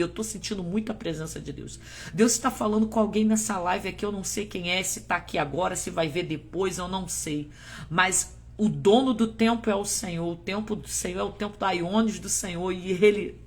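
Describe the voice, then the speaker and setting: A Brazilian woman missionary gives a live-streamed testimony, preaching with fervour and turning often to her viewers. Her voice is husky and a little breathy, at a middling pitch. She sounds like she is on a phone or webcam mic at home. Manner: fervent preaching, rising to urgent exhortation; talks directly to viewers with frequent "né?" and "gente". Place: at home, livestream.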